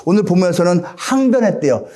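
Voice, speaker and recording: A male pastor preaches in a lively, dramatic way and often slips into the voices of the people in his story. His voice sits high for a man and swings widely up and down, while its tone stays mellow and soft. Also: fast. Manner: animated, acts out quoted voices. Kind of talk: sermon.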